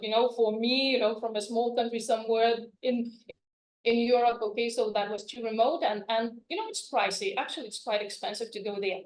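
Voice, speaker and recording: A woman from Lithuania, a native Lithuanian speaker and language educator, giving a chatty, informal conference talk full of "you know" fillers. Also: fairly high pitch. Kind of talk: conference presentation. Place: conference room. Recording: echoey conference room.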